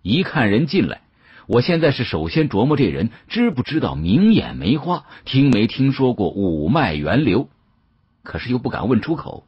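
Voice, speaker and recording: A man narrating an audiobook as a first-person story, in a colloquial, expressive, dramatic way. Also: mid-range voice, normal speed, husky, no room sound, lo-fi sound.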